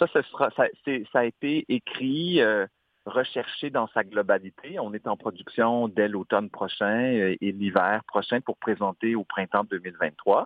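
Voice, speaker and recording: Very slowly, a man speaks at a medium pitch. His pitch varies in an ordinary way. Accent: Quebec. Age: 50s. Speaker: actor and social entrepreneur. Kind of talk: radio interview. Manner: halting.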